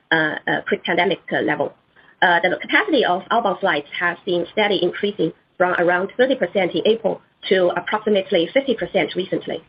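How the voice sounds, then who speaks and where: Husky woman executive on a dull conference line. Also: fairly low pitch. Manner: formal, hesitant. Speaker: company executive. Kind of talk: scripted earnings call answers. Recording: muffled conference call audio.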